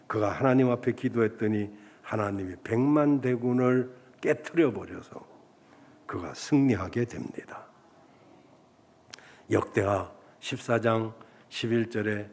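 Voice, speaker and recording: A middle-pitched man in his fifties preaches from a church pulpit. He swings between loud, animated quoted voices and soft, hushed lines. He reads scripture slowly and solemnly. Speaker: pastor. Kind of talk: sermon. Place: church sanctuary.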